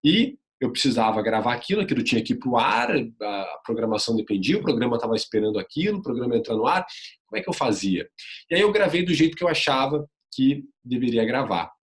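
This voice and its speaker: A man's voice: medium pitch, sing-song, quick pace. Earnest Brazilian man coaching reporters. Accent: Brazilian Portuguese. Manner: earnest and explanatory, coaching the viewer directly. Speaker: sports reporter teaching journalism. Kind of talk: online video lesson, first-person anecdotes.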